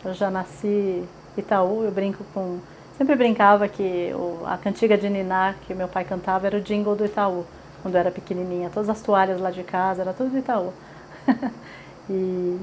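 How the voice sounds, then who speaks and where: A woman's voice: mid-range voice, fairly even intonation, a little fast, darkish tone, a little hiss or hum, low-quality recording. A woman in her forties from São Paulo with a paulistano accent, chatting in an oral history interview with many fillers and tag questions. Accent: Paulistano Brazilian Portuguese. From São Paulo, Brazil.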